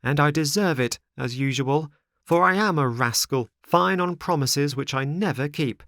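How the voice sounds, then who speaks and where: A man's voice: on the high side, normal speed, fairly bright tone, no room sound, studio quality, pitched above the performer's own voice. A man voicing an impatient young wooden puppet boy, pleading and dramatic, in a storybook reading. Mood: rueful. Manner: pleading, exclamatory.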